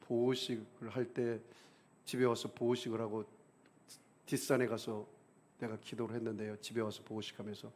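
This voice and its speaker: Leading his congregation in call-and-response, a middle-aged senior pastor preaches with emphasis and large shifts in pitch and volume. His voice is a little mellow.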